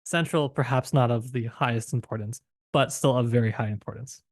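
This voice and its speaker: A man co-hosting a podcast, discussing a novel conversationally in a measured, explanatory way. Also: medium pitch, no echo, clean studio sound. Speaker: podcast co-host.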